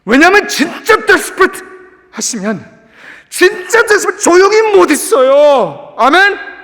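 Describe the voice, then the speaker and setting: A man preaching with a very high, bright voice that swoops up and down with lively energy. He is a pastor in the middle of a sermon, often slipping English words into his preaching. His voice rings with a long echo in a church sanctuary. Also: moderate pace. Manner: animated preaching, mixing English words into the talk.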